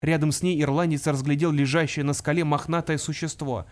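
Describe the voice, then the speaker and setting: A man narrating a fantasy adventure audiobook in a steady, dramatic storytelling manner. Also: a little high, brisk.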